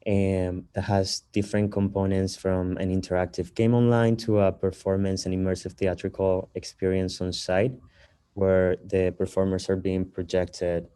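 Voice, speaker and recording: A young man from Colombia, a theater director, introducing himself hesitantly with many pauses on a video call panel. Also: low-pitched, mellow, smooth. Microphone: video call mic.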